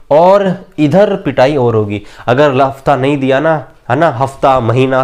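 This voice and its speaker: Man teaching, chanting memory tricks. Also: on the high side. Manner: chants mnemonics slowly, drawn out word by word; casual, repeats phrases, checks in with "theek hai". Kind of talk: exam-prep lesson with memory tricks.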